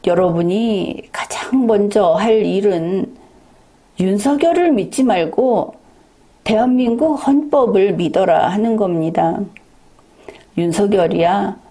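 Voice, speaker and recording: A woman's voice: medium pitch, mellow. A woman giving a political commentary monologue, lecturing viewers directly and pressing them with rhetorical questions.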